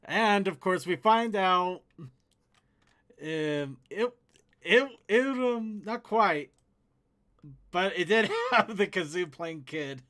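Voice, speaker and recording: A man hosting casual fan commentary, speaking in a halting, stop-start way. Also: high voice, animated, pushed and bright. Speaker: host.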